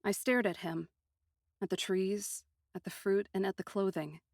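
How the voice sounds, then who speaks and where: A woman narrating a first-person fantasy story in an expressive, literary manner with deliberate phrasing. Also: mid-range voice, dry recording, studio quality.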